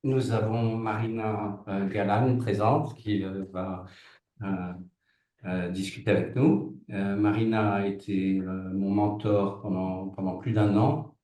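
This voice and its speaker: A man's voice: fairly low pitch, flat delivery, takes it slowly, warm tone. A man hosting a webinar and informally introducing a guest, with a hesitant, stop-and-start delivery. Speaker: webinar host. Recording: roomy echo, far from microphone.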